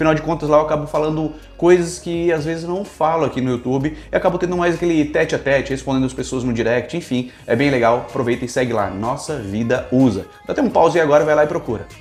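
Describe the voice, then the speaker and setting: A man at a fairly high pitch and a fairly quick pace, with music in the background. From southern Brazil, Araranguá, Santa Catarina. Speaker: YouTuber giving advice on life in the US. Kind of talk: casual vlog Q&A. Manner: fast-talking; relaxed, informal.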